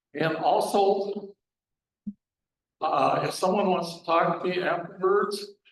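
This is a man speaking with an American accent. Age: 80s+. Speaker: farmer speaking at public hearing. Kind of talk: public comment at county hearing. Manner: halting, many fillers.

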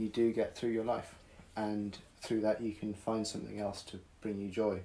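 A man with a dark, mellow tone speaks at a moderate pace, fairly low in pitch and with monotone, flat intonation. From Botswana and South Africa. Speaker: podcast guest. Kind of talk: casual interview chat.

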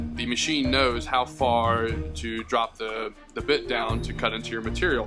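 Music can be heard clearly behind the speaker. The voice belongs to a man. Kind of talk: tutorial. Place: workshop.

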